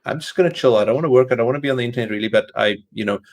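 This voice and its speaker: A man's voice: mid-range voice, rapid-fire, gravelly. A man co-hosting a casual tech stream, telling anecdotes in a rambling way and often interrupting himself. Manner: rambling, self-interrupting storytelling. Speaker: live stream co-host.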